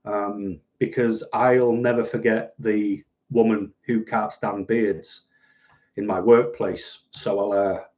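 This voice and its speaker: A man with a softened Manchester accent hosts a casual livestream. His voice is mellow and relaxed, and his delivery is dry, sardonic and rambling. The audio is a little dull and lo-fi. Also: lowish voice, takes it slowly. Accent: Mancunian, softened northern English. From northern England, Manchester. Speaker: livestream host. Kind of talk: casual livestream chat, reading out and answering viewers' comments.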